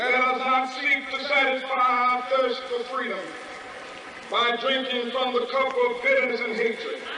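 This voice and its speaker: A man with an American accent uses a raised, projected voice at an extremely high pitch. His intonation is monotone and flat, his pace fairly slow, and there is noticeable background noise. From United States. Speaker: civil rights activist. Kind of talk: public speech to a large outdoor crowd. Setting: outdoors.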